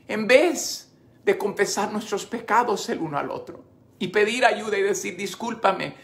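A man's voice: extremely high pitch, a bit bright. A man preaching a sermon as pastor, earnest and speaking straight to his listeners. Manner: earnest, direct address to listeners.

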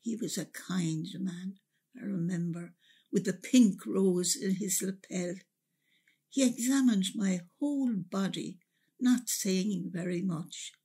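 Woman playing a husky, slow-talking older Irish mother. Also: mid-range voice. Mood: grave recollection. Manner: slow, reflective, expressive. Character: older Irish mother recalling wartime hardship, wistful and resilient. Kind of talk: radio drama monologue, reminiscing storytelling.

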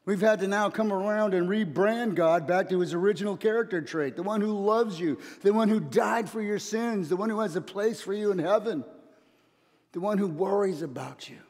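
A middle-aged man preaching a sermon from a church stage, telling stories and swinging from soft asides to loud emphasis. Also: high voice, normal speed. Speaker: pastor. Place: church stage, large hall. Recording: long church hall reverb.

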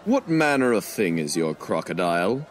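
A man's voice: deep voice, very animated, moderate pace. An actor playing a tipsy, gullible, amiable Roman nobleman in a Shakespearean audio drama, speaking with drunken earnestness. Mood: drunkenly curious.

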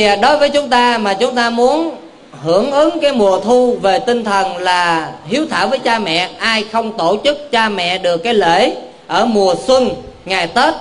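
A man's voice: sits high, slight background noise. A male Buddhist monk gives a folksy, joking dharma talk, constantly tossing questions back to a live audience in a temple hall. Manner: keeps quizzing the audience with call-and-response questions; homely, joking, folksy preaching.

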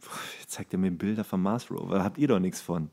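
A man's voice: deep voice, quick pace, vocal fry, mellow, breathy edge. A man co-hosting a podcast in casual, comedic banter, with a playful, teasing way of talking. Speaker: podcast co-host.

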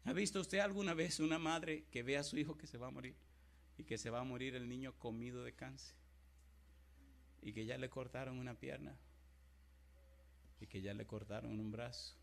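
A man's voice: mid-range voice, creaky, slight background noise. Man preaching with dramatic swings. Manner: dramatic preaching that swings from loud exclamations to hushed storytelling. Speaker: pastor. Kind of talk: sermon.

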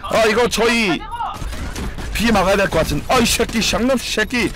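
A man streaming a competitive game, commenting live, cheering teammates and shouting and swearing as he plays. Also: sits high, moderate pace. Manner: excitable, shouts and swears during play; cheers on teammates with repeated calls.

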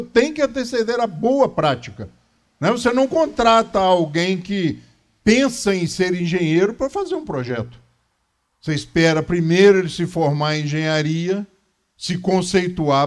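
Higher-pitched Brazilian man giving a lecture. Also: sing-song, moderate pace. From Minas Gerais, Brazil. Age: 50s. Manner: didactic, repeats key phrases for emphasis. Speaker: lecturer at a Spiritist centre. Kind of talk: religious lecture with conversational asides. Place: small meeting room, indoors.

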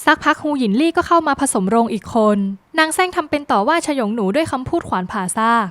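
A woman narrating a scripted drama plot recap in a brisk, lively storytelling manner with dramatic phrasing. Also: sits high.

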